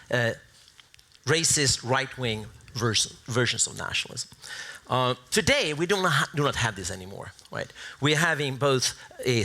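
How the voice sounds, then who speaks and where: Male debate panelist, bright forceful voice, mid pitch, deliberate professorial delivery with frequent checking tags. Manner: deliberate, professorial, often tags points with "right?". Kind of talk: public panel debate argument.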